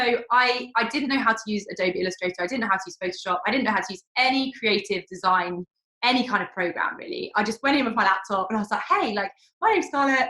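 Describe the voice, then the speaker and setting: In an English accent, a woman speaks at a very fast pace with lively intonation and a bright, sharp tone. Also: fairly high pitch for a woman. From England. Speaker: ecommerce business co-founder. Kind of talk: podcast interview.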